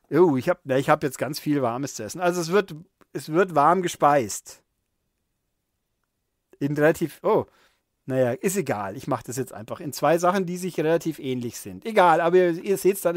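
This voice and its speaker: A man's voice: fairly high pitch, no room sound, clean studio sound. A man hosting a podcast alone, reading a viewer's letter aloud and commenting in a casual way, with many fillers and restarts. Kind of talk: casual solo chat.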